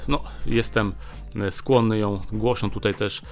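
A man in his thirties runs through the boxing news in a relaxed, chatty way. He often stops with a drawn-out filler sound while he hunts for the next word. He talks close to a desk mic in a small indoor studio. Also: fairly low pitch, faint music behind. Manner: chatty, many filler "e" pauses. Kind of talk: casual news commentary. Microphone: desk mic on a small stand.

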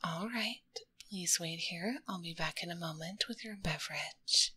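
A woman's voice: lowish voice, slightly rough, heavily acted. A woman playing a grumpy young tomboy who works as a secret ASMR artist, whispering breathily into a close binaural microphone in a roleplay. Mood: polite, soothing. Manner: slow, hushed, soothing service talk with curt asides.

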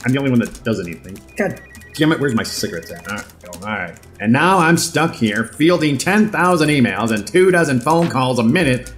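An actor playing a cynical, foul-mouthed, self-important corporate boss in an audio drama, sarcastic and blustering. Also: male voice, mid-range voice, lively intonation, fairly quick, fairly bright tone, faint music behind, natural voice. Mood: irritated, scornful. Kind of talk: audio drama monologue and phone dialogue.

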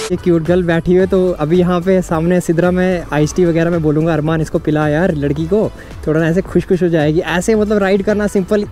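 A man vlogging casually outdoors from his motorbike, chatty and teasing, laughing often. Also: sits high. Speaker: motovlogger. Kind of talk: casual motovlog chat. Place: outdoors on the road.

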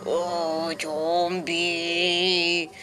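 A woman's voice: fairly low pitch, monotone, drawn-out words, very noisy. A woman voicing a dazed, hungry toy zombie in a children's cartoon, with groaning, repetitive chants and munching noises. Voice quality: creaky, groaning. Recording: loud music behind the voice.

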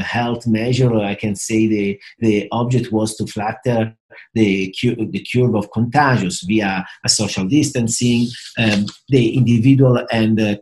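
A middle-aged man from Italy with an Italian accent, explaining in a halting, hesitant way with many fillers and repeated words, like a professor speaking to a webcam. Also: lowish voice, a little mellow, low-quality recording. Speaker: professor of finance and risk management. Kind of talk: explanatory talk to camera. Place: small indoor home office with bookshelves.

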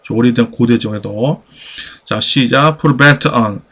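A man teaching a basic English class, repeating phrases slowly and pushing students to answer. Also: mid-range voice, fairly bright tone, slightly rough. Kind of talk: classroom lecture.

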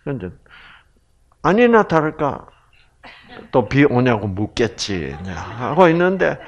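A man's voice: mid-range voice, sing-song, slow, muffled recording. A man with a Gyeongsang accent giving a health lecture with religious themes, humorous and chatty, often putting questions to his audience. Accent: Gyeongsang Korean. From Gyeongsang region, Korea.

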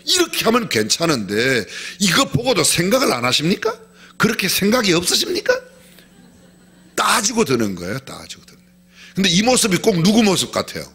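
A male pastor preaching a sermon in an animated way, asking the congregation questions and acting out quotes. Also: sits high, a little fast, breathy edge. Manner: animated, often acts out quoted speech; asks the congregation questions directly.

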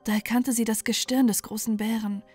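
High-voiced woman telling bedtime fairy tales. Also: fairly even intonation, brisk, darkish tone, husky. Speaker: storyteller. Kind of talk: soothing bedtime fairy-tale narration. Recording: music behind the voice.

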